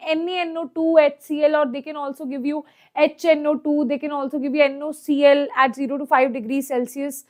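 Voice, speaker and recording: A woman with a South Asian accent teaching an exam problem lesson step by step, often checking that students follow with short questions. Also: high-pitched. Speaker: chemistry teacher.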